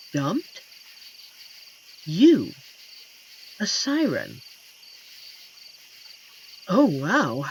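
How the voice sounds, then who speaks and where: A performer voicing an amiable, shy werewolf forest protector in a roleplay audio drama, speaking gently and hesitantly with earnest pauses. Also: mid-range voice. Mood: surprised, awkward. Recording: noisy track with night cricket ambience. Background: crickets and night forest insect ambience.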